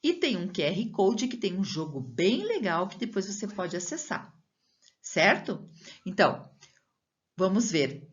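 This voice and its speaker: Slow, patient Brazilian woman teacher. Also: medium pitch, very animated, lo-fi sound. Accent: Brazilian Portuguese. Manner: slow, patient explaining with drawn-out syllables and frequent questions to the pupil. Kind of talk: recorded school lesson for children.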